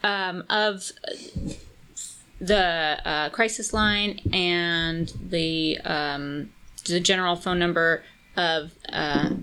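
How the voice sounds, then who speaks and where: A woman's voice: lowish voice, fairly bright tone, rough recording. A woman hosting an interview on community radio.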